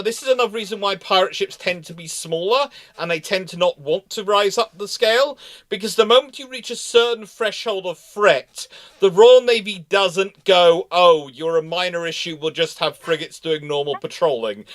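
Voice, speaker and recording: Answering questions from a live audience, this host explains casually but with emphasis, frequently starting his phrases over. His voice sits high with a fairly bright tone, and he speaks at a normal speed in this informal, explanatory expert talk.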